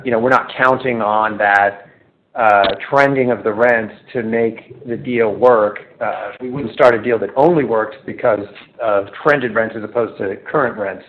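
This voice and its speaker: A male executive patiently working through an analyst's question on a quarterly conference call, sound a little muffled. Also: medium pitch. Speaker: company executive answering analysts. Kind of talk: unscripted corporate earnings-call answers. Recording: slightly dull, lo-fi conference audio.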